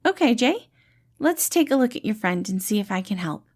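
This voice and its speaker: A woman's voice: medium pitch, sing-song, brisk, voice pushed up. A woman voicing a tiny, kindly, cheerful male healer who talks in an eager, reassuring, fatherly way for a storybook. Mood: friendly, reassuring. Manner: eager, reassuring, gentle, calls people kiddo.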